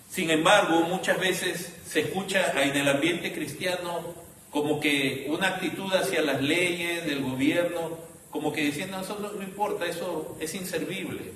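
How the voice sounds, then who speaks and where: A man's voice: on the high side, a bit bright. A man preaching a sermon in an earnest, pleading way, often calling his listeners brothers. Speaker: pastor. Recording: echoey room, voice from some distance, faint hiss.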